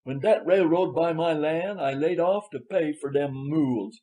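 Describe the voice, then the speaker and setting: Man acting an old Southern countryman, emphatic, high-pitched. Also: unhurried, mellow, close to an everyday voice. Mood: earnest, proud. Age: older. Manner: folksy dialect, emphatic, earnest. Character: elderly Southern man, former plantation servant, proud and loyal.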